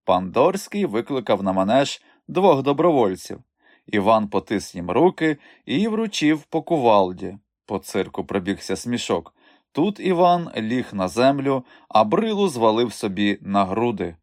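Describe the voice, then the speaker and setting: A man narrating an audiobook in an expressive storytelling manner. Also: medium pitch, unhurried, no room sound, clean studio sound. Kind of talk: scripted narration.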